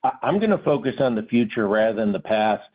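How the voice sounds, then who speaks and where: A man's voice: on the low side, animated, quick pace, breathy edge. A male financial analyst phones in, asking a spontaneous question with hesitant, informal phrasing. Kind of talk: spontaneous question on earnings call. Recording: narrow tinny phone line.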